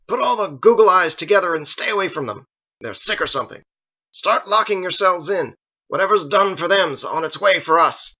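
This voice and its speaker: Fierce tribal matriarch, played by a male reader, barking and forceful, audiobook dialogue, dull recording. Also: sits high, expressive, moderate pace, voice pushed up, heavily acted. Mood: furious, commanding. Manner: barking, imperious. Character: fierce commanding tribal woman barking orders.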